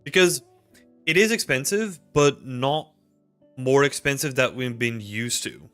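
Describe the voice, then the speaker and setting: A Belgian man in his thirties hosts a livestream from a small room at home, using a desk mic and headphones, with faint music in the background. His medium-pitched voice is smooth, fairly bright and a little slow. He rambles casually with plenty of fillers while answering questions from chat.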